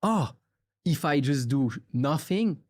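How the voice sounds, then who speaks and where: A man from Switzerland hosting a podcast, speaking in a relaxed, reflective way and asking long questions. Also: fairly high pitch, slow pace, no echo. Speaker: podcast host. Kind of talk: interview conversation.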